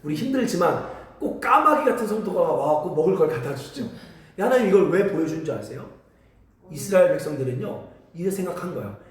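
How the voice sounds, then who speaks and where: A man's voice: sits high, fast. A man preaching a sermon as pastor, telling stories and acting out voices as the congregation answers. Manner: animated storytelling, acts out voices. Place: church sanctuary. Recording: echoey church hall from far off.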